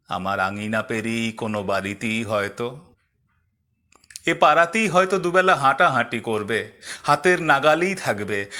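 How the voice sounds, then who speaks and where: Bright-voiced man reciting poetry dramatically. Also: mid-range voice.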